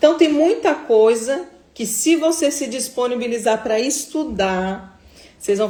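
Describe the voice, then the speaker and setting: This woman has a normal speaking voice, fairly high in pitch, with lively intonation. She talks at a fairly slow pace. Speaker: pastor. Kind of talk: live stream teaching. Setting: Instagram live.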